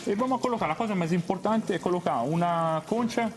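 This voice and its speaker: A man from Tuscany with an Italian accent, whose first language is Italian, explaining a recipe calmly as a guest chef in halting Portuguese. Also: sits high. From Tuscany, Italy. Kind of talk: cooking demonstration on TV. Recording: TV studio with background music.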